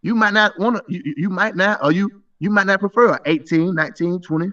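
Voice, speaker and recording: A man's voice: high-pitched, fast talker, bright, forceful tone. A man in his thirties arguing insistently in a live stream debate, stumbling through repeated restarts. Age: 30s. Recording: muffled voice from a distance.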